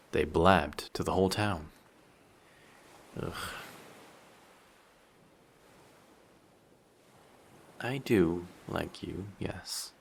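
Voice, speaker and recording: A man playing a dangerous, flirty sea monster in an intimate audio drama, speaking in a measured, quietly menacing way with formal wording. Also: low-pitched, vocal fry, a little hiss or hum, heavily acted. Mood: hesitant, considering. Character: dangerous, possessive, flirty male sea monster with fish tail.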